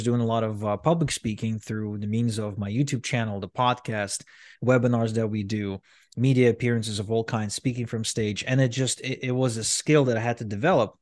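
A man from Ukraine talks at an ordinary pitch for a man, looping through his story with restarts and "um"s. He is an interview guest, and his voice sits close and dry with no room sound. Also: dry recording. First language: Russian. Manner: rambling, frequent restarts and fillers. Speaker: podcast guest, entrepreneur.

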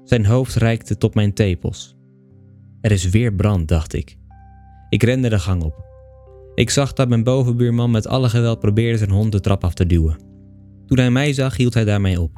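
A man tells a bedtime story in a calm, even, dryly understated way. His voice sits low and mellow, unhurried and steady. Soft music plays faintly behind him. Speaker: audiobook reader. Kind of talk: scripted narration of a bedtime story.

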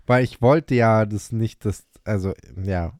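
A man's voice: fairly low pitch, measured pace, darkish tone, no room sound, studio quality. Joking young man on a podcast. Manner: joking, teasing, slangy. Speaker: podcast co-host. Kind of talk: casual chat.

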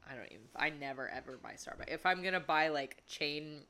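A woman co-hosting a podcast in casual chat, animated and emphatic with frequent giggles. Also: low voice, a little fast. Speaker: podcast co-host.

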